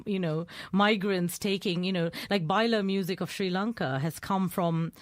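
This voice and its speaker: A woman's voice: lowish voice, moderate pace, no echo. A woman radio presenter speaking as a guest in a studio interview, explaining fluently and with enthusiasm. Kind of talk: conversational interview.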